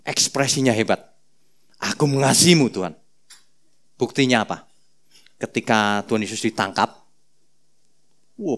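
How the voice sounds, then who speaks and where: A man preaching a sermon as pastor, telling the story in a playful, animated way with many asides. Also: mid-range voice.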